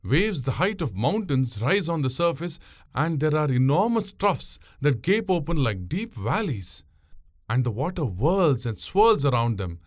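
A bold, unruffled boatwoman in an audio story, performed by a male narrator. She speaks in a raised, lively pitch with conversational, mocking scorn. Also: unhurried. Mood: ominous chatter. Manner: taunting, conversational, jovial scorn.

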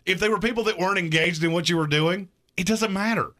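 A man's voice: high voice, fast, pushed and bright. A man in his thirties co-hosting a sports talk radio show, making emphatic, argumentative points. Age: 30s.

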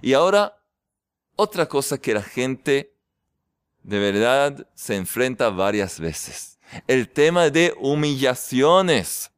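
A man in a yeshiva teaching a lively religious class in a cheerful, joking way. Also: mid-range voice, takes it slowly, smooth, dry recording. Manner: cheerful and joking, keeps exclaiming with delight. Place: yeshiva study hall.

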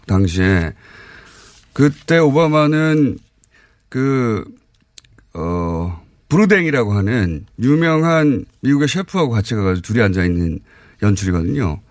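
A man's voice: mid-range voice, no echo, clean studio sound. A man hosting a live radio current-affairs show, talking in an informal, opinionated way with rhetorical questions.

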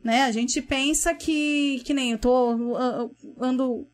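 A young woman speaks with a Brazilian Portuguese accent and a high-pitched voice. She answers as a school principal in an earnest, outspoken way, often restarting her phrases. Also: takes it slowly. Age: young adult. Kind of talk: interview guest on a livestream.

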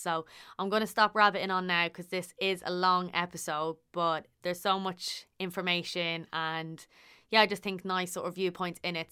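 A woman's voice: lowish voice, sharp tone, clean tone. A woman of about thirty, hosting a podcast in a casual, rambling, enthusiastic way. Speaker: podcast host.

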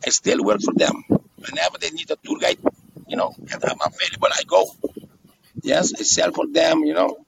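A man's voice: a little high, moderate pace, vocal fry, background noise. A man with an Aruban accent talking casually as a tour guide, explaining things conversationally and often repeating phrases or checking in with a "yes?". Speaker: tour guide being interviewed.

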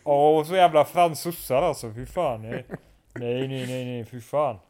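A crude, boastful British patriot who swears in every breath, put on by a man. He grows loud and blustering, proud and contemptuous of outsiders, in a comic skit. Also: medium pitch, lightly acted. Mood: boorish.

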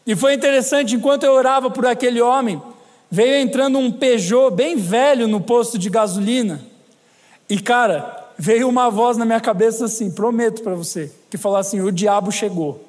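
Brazilian male pastor, very high voice, funny storyteller, preaching in a reverberant church hall. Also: normal speed, darkish tone. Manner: humorous storytelling, chatty asides to the congregation. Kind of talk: sermon.

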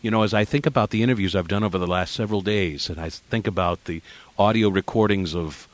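A man hosting a radio interview, asking measured, reflective questions. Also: low-pitched.

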